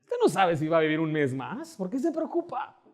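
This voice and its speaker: A man preaching a Baptist sermon as pastor, animated and conversational, acting out the people he quotes. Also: a little high, fairly quick.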